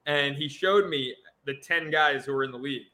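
A man co-hosting a casual sports podcast, excitable and jokey. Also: medium pitch, moderate pace. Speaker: podcast co-host.

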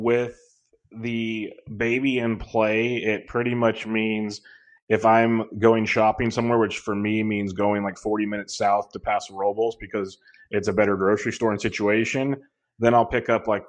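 Loud, low-voiced podcast host. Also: male voice, flat delivery, moderate pace. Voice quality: loud, carrying voice. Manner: earnest and rambling, with many restarts and laughs. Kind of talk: casual podcast chat.

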